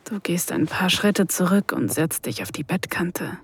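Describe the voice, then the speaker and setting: Soft, breathy, vulnerable lover. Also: female voice, fairly low pitch, lively intonation, unhurried, exaggerated voice. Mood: longing. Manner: soft, breathy, often sinking into a whisper. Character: vulnerable, shy mature woman rediscovering desire. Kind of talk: intimate first-person erotic audio drama narration.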